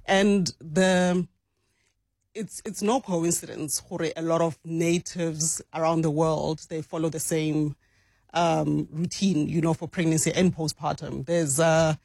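A man's voice: on the high side, steady tone, unhurried, gravelly, darkish tone, no echo. A man with a South African accent, a guest on a radio show, explaining earnestly and slipping in Setswana words. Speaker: doula, studio guest. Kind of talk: radio interview. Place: radio studio.

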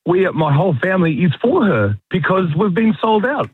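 A husky man in his forties calling a talk show, rambling with "you know" between thoughts. His voice sits a little high. It comes through a thin, tinny phone line. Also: very animated, normal speed, dry recording. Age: 40s. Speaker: caller.

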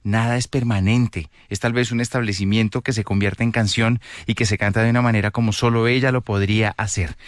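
A man's voice: on the low side, fairly even intonation, a little fast, hardly any pauses, dry recording, clean studio sound. A man hosting a radio interview, playful and teasing with his guest. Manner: warm-hearted, playful, teasing. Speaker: radio host.

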